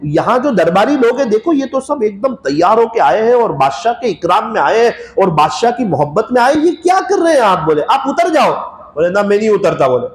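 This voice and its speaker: High-voiced man preaching in an echoey room. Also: big pitch swings, a little fast. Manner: tells a story, voicing its characters in quotes. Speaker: Islamic preacher. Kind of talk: sermon with storytelling. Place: religious gathering.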